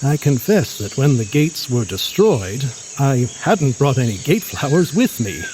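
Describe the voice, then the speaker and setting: An actor playing a courtly, erudite mutant scientist in an audio drama, with a verbose, formal and genial manner. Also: male voice, medium pitch, very animated, measured pace, darkish tone, a little hiss or hum, poor audio. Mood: genial, pompous.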